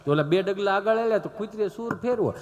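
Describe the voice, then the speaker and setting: A man's voice: sits high, fast, dull audio. A man with a Saurashtra Gujarati accent, telling a folksy comic story to an audience in a rustic, teasing way. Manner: rustic, animated, playful teasing. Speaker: stand-up comedian.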